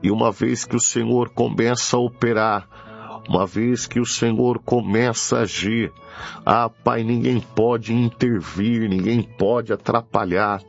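Slow, gravelly Brazilian man praying. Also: medium pitch, fairly even intonation. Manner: repetitive, pleading, with frequent devotional interjections. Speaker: preacher leading prayer. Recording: dull lo-fi audio with music behind. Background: music.

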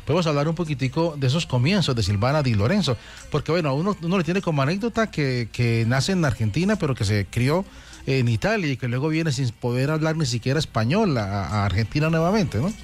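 A man's voice: a little high, expressive, brisk. A man hosting a talk show, effusive and affectionate, telling a story to his audience. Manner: effusive, repeats "gente linda", storytelling.

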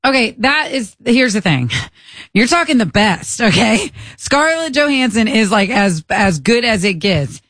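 A woman with a fairly deep voice co-hosting a radio show, joking at her own expense and laughing often. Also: big pitch swings, measured pace, a bit bright, dry recording. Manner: self-mocking, laughs often. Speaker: radio co-host. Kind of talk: casual radio banter.

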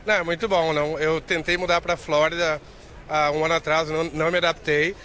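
A man's voice: on the high side, little pitch movement, fairly quick, a bit bright. A man from Rio Grande do Sul answering a street interview, hesitant and full of fillers. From Rio Grande do Sul, Brazil. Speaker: passer-by interviewee. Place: outdoors on a busy city street. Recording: faint street noise.

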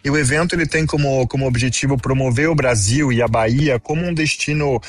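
A man's voice: mid-range voice, fairly quick. A man in his forties from France with a French accent, answering interview questions thoughtfully, with frequent hesitations. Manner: fluent, thoughtful, many hesitations and "né" tags. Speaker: guest, gastronomy and tourism event organizer.

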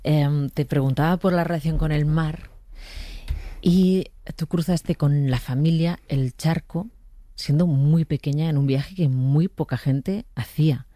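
Mellow female radio interviewer. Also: low voice, a little slow, dry recording. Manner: warm prompting questions, short affirmations.

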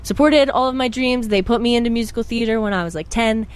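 A woman's voice: a little high, fast, clean tone. A young woman from Pennsylvania, a musician, chatting in an interview in a bubbly way with many fillers. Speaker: guest musician. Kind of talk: casual interview.

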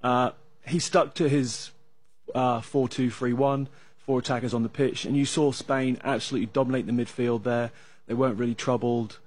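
A man with an English accent, an analyst calmly breaking down soccer tactics with some hesitation fillers. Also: medium pitch. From England. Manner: measured, analytical, with frequent uh fillers. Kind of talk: sports talk discussion.

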